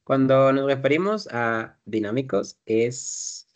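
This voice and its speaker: A male teacher, pitched at an ordinary middle height for a man. He explains grammar patiently and step by step, then drills pronunciation word by word. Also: lively intonation, slow. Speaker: English teacher. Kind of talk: classroom teaching.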